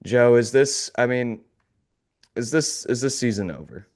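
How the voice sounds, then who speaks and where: A man with a mid-range, darkish voice and lively intonation hosts a casual sports podcast at a measured pace, his voice a bit off as he recovers from illness. Glum and sarcastic, he keeps laughing off the gloom.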